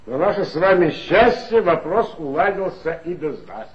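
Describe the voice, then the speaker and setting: An actor playing an authoritative male police chief in a 1960s radio play, with a smooth, insinuating, lecturing manner. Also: on the high side, expressive, normal speed, faint music behind, close to an everyday voice. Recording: dull lo-fi old radio recording.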